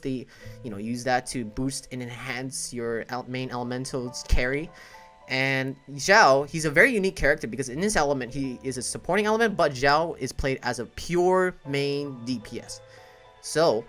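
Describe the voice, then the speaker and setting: A man's voice: mid-range voice, a bit bright. A man giving casual, explanatory game commentary in a conversational, emphatic way, as a content creator.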